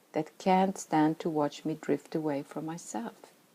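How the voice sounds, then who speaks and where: A dark, mellow tone with a Swedish accent, at a fairly slow pace and with ordinary pitch variation. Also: woman. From Sweden. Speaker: author and evangelist. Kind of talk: reading aloud.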